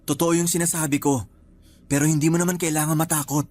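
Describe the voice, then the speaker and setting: An actor playing a calm young man who can see lost spirits, speaking in a steady, reassuring way. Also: on the high side, fast, close to an everyday voice. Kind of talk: radio drama acting. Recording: soft music underneath.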